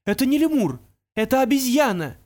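A calm, measured teenage genius in an audiobook, raised somewhat above the reader's own voice, as a man voices him. He stays composed and controlled even when pressed. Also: sits high, pitched above the performer's own voice. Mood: defiant. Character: cool-headed teenage boy genius, hurt but calm. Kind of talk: audiobook character voice.

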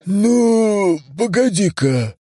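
A man reading a story aloud, voicing an ancient, touchy male deity that speaks with a booming, husky voice, sometimes in whispers. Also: expressive, drawn-out words, dark tone, no room sound, clean studio sound, heavily acted. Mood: aggrieved. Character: ancient male Cthulhu entity, disembodied voice, proud and touchy. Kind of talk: audiobook reading.

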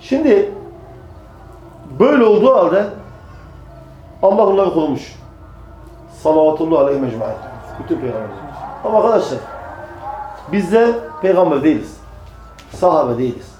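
A man's voice: a little high, very animated, normal speed, long pauses, warm tone, roomy sound, lo-fi sound, a little hiss or hum. A man preaching to a small group, emphatic, repeating phrases and answering his own rhetorical questions. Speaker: religious preacher. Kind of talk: religious talk to a small group.

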